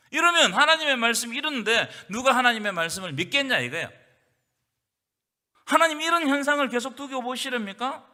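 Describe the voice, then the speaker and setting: A man's voice: extremely high pitch, bright, forceful tone. A male pastor leading a Bible study, preaching with rhetorical questions and calling the congregation to read along. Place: church hall. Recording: reverberant church hall.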